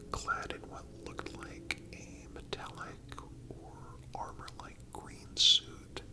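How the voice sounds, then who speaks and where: A man whispering a scripted story as an ASMR host, in a measured, deliberate way with pauses. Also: poor audio.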